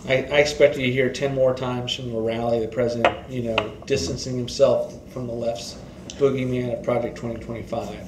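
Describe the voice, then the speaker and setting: A man's voice: mid-range voice, level tone, brisk, echoey room, heavy background noise. A man sounding assured as he answers questions in an interview. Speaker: think tank leader.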